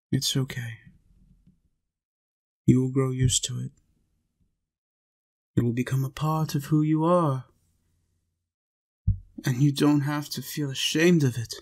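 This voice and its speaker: A man acting as an ageless, youthful vampire speaks slowly and deliberately, in a very even tone. He coaxes tenderly and possessively, as if to one listener in an intimate roleplay audio. His pitch is middling and barely moves. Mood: reassuring. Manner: coaxing, deliberate, pausing between short phrases.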